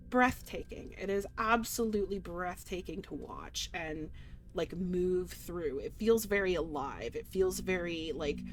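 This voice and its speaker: A woman's voice: medium pitch, slight background noise. A woman streamer giving rambling, enthusiastic commentary on a game, full of fillers and trailing sentences.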